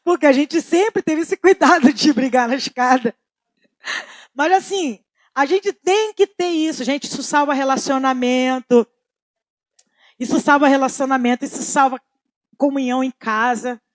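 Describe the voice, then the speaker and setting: A middle-aged woman leads a church Bible study in a relaxed, conversational way. Her voice is high and lively, and she repeats key phrases and throws questions to her listeners. The sound is dry and close. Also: moderate pace, dry recording.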